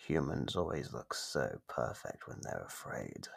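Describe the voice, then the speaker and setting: An ancient monster acted out by a man murmurs low and slow in an ASMR horror roleplay. The voice is gravelly and breathy, often slipping into a whisper as it toys with its prey, playful and menacing. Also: very animated, full character voice. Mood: gloating menace. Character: ancient monster under the bed, sinister, playful, taunting.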